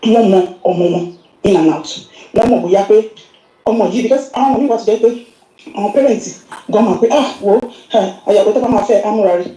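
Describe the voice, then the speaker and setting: A recorded voice message from a middle-aged Yoruba-accented woman, played back on the show. She talks earnestly and briskly, slipping English into her words. Her tone is deep and mellow, and the room around her echoes. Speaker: caller sending a voice note. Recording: roomy voice message.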